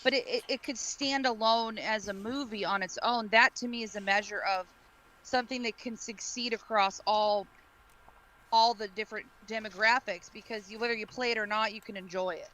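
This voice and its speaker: Bright-voiced woman in casual discussion. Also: mid-range voice, steady tone, moderate pace, poor audio. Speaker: podcast co-host. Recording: faint room noise.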